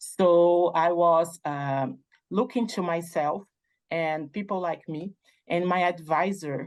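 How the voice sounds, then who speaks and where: A woman with a Brazilian Portuguese accent speaks at a very slow pace in a fairly low pitch. Her pitch varies in an ordinary way against a quiet background. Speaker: university dean and researcher. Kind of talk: interview conversation. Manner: halting.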